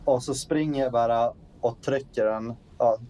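Brief: male tabletop player, mellow tone, eager. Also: mid-range voice, fairly even intonation, far from the mic, low-quality recording. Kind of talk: playing a tabletop game.

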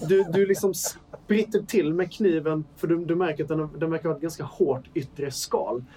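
A man running a tabletop role-playing game as game master, narrating the action with lively energy. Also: fairly high pitch. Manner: lively, acts out panicked shouts.

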